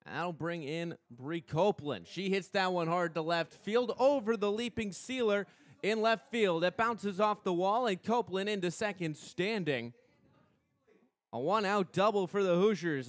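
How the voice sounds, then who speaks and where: Higher-voiced young American man calling softball. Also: dry recording. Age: young adult. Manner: measured between plays, excited on big plays. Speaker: play-by-play announcer. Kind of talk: live radio softball commentary.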